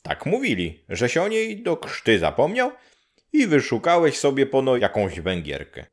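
Guy voicing a gossipy old village granny in a storybook, high and loud, talks a mile a minute. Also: wildly swooping pitch, normal speed. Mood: gossiping. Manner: raised, chattering peasant voice. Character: suspicious old village woman, neighbor.

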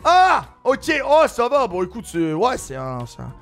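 A man giving excitable gaming commentary, exclaiming, laughing and shouting as he plays. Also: very high voice, measured pace, faint music behind. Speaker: gaming YouTuber.

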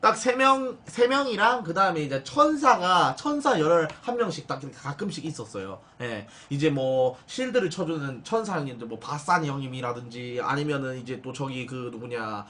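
A high, bright male voice with big swings in pitch, chatting loudly with his livestream viewers. He jokes, rants, and keeps calling out to the audience in a sarcastic, lively way. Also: normal speed, hardly any pauses, a little hiss or hum. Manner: loud, jokey, addresses viewers and donors as big brother; ranting, sarcastic asides. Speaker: livestream host. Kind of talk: casual livestream chat with viewers.

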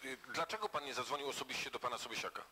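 A man's voice: mid-range voice, racing, background noise. A man on an inquiry committee questioning a witness in a hearing room, persistent and formal, reading out excerpts of transcripts.

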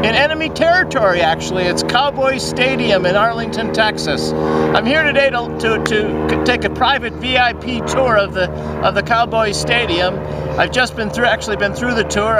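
High-voiced middle-aged man talking outdoors. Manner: loose and unscripted, with restarts. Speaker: company host. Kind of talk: casual on-location talk to camera. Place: outdoors in front of a stadium. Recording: noisy outdoor recording, slightly distant mic.

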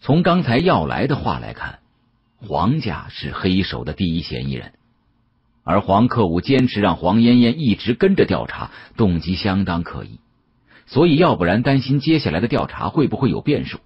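Very deep, husky male audiobook narrator. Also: sing-song, normal speed, highs cut off. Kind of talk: expressive scripted first-person narration.

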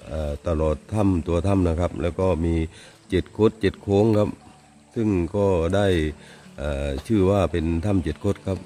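A man's voice: low voice, moderate pace, warm tone, slight background noise. A man working as a local guide, explaining the cave to a visitor outdoors in a hesitant way, with many fillers and agreeable replies. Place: outdoors at a cave mouth by a stream.

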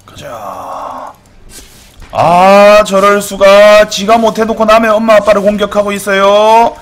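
A man giving casual, jokey commentary on a game replay, mock-dramatic, swinging between excited shouts and low mutters. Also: normal speed.

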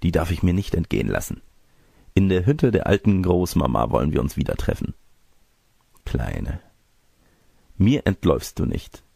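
Ein Mann spricht einen lüsternen, schwülstigen bösen Zauberer in einem Märchen, schmeichelnd und durchtrieben. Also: male voice, low-pitched, big pitch swings, normal speed, vocal fry, long pauses, mellow, slightly rough, no room sound, studio quality, exaggerated voice. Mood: scheming, enraptured. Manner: florid, gushing, sly. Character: lecherous, pompous male evil sorcerer seducer.

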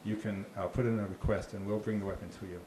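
In an echoey small room with faint noise, dark apart from a slide screen, a park ranger with a Boston accent gives an informal talk and answers audience questions. Holding a handheld mic, he talks fast in a lowish, steady, mellow voice, chatty and prone to restarts and dry jokes.

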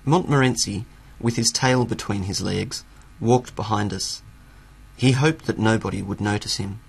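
Man reading a story for english learners, slow and clear, husky and gravelly. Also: on the low side. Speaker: story reader.

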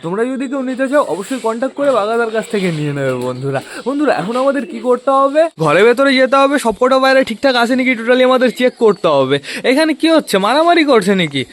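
A man with a high voice runs through his pigeon loft at a quick clip. He chats casually to viewers and calls to his birds by name, coaxing them to move. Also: big pitch swings, a little hiss or hum. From West Bengal, India. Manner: chatty, talks to birds and viewers. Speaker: pigeon-keeping vlogger. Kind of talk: casual vlog narration.

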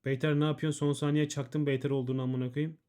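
A man's voice: fairly high pitch, level tone, fast talker, dark tone, clean tone. Blunt, foul-mouthed male streamer. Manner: blunt and swearing, reading chat messages aloud. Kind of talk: casual profane stream commentary.

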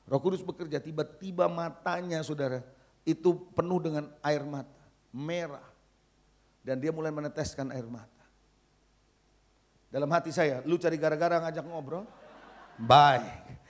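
A middle-aged man, a pastor preaching a sermon with animated storytelling. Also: a little high. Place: church service.

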